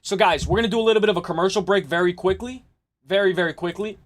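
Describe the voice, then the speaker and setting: A man hosting a live stream, chatting loosely with his viewers and rambling through quick asides. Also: sits high, heavy background noise. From Spain. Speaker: livestream host. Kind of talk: casual live stream chat.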